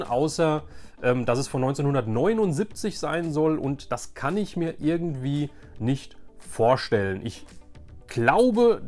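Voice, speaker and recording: A man's voice: on the high side, darkish tone. A middle-aged man chats in a casual, rambling way, like showing off old keepsakes. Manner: rambling, conversational. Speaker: nostalgia video host. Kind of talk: casual nostalgic show-and-tell.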